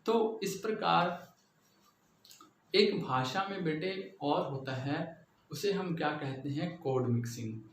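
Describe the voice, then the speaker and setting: A man's voice: a little high, slow pace. A man from Punjab with a Punjabi accent gives a patient classroom lecture, explaining step by step and often checking that his listeners follow. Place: classroom with a board. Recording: echoey room, faint background noise.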